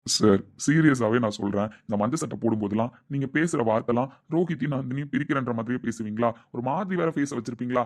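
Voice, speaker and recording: A man's voice: mid-range voice, quick pace, hardly any pauses. A man speaking dramatic dialogue in an earnest, tender way. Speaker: actor in a family drama.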